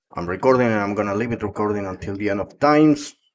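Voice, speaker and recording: At a fairly quick pace, a man with a non-native accent talks in a fairly low pitch with ordinary pitch variation. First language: not English. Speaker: podcast co-host, technical professional. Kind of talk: casual chat. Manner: halting.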